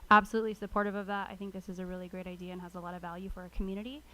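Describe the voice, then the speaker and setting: An American woman giving deliberate remarks as a council member in a public meeting. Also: medium pitch, level tone, a bit bright. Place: city council chamber.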